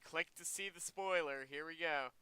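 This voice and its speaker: Young male host, casual reaction commentary, bright lively voice, smooth and dry. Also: on the high side, normal speed, no room sound, low-quality recording. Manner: rambling, chatty, repeats himself. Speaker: video host.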